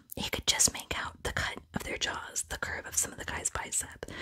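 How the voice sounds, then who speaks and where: The speech is whispered at a moderate pace. Noticeable background noise sits behind it. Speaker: ASMR content creator and book reader. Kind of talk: reading a novel chapter aloud. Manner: whispered, soft.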